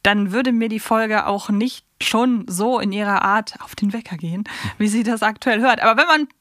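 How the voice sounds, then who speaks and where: A woman's voice: mid-range voice, moderate pace, fairly bright tone, no echo, studio quality. A woman co-hosting a fan podcast, chatting casually and reflectively. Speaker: podcast co-host.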